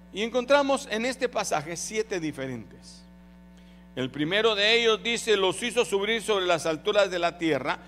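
A man's voice: fairly high pitch, a bit bright. A male pastor, preaching a sermon and having the congregation repeat phrases after him. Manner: acts out voices in Bible stories. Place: church hall. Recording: long hall reverb, faint noise.

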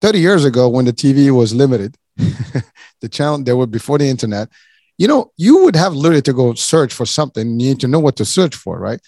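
A man's voice: medium pitch, sing-song, quick pace, mellow, dry recording, clean studio sound. A man from Morocco hosting an interview, talking in a casual, rambling way with many restarts and asides. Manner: rambling, many restarts and "you know", chuckles often. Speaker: podcast host.

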